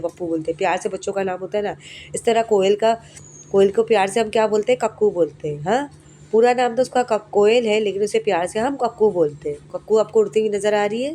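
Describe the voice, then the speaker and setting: Mellow-voiced woman teaching young children. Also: medium pitch, slight background noise. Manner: asks the class questions and answers them herself; recites the poem slowly in a sing-song way. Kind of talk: explaining a poem to young children.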